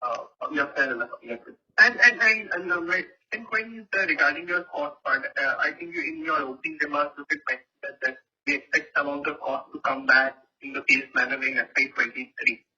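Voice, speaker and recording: Guy asking investor questions, halting, highish sharp voice, muffled phone line. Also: breathy edge, faint music behind. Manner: halting, repeats words. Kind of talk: polite spoken questions on an earnings call.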